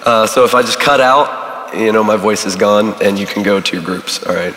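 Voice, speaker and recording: A man, a church volunteer giving a casual teaching to a recovery group, halting with many fillers while he is losing his voice. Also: lowish voice, steady tone, a bit bright, a little hiss or hum. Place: large church hall. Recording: echoey hall with long reverb.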